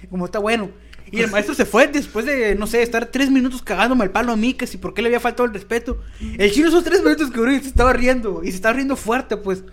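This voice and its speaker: A young man with a Mexican accent chats on a casual podcast, racing through his anecdotes. His voice sits fairly high, and he acts out every quoted line in a slangy, animated way. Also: fast. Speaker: podcast co-host. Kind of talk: casual chat, storytelling.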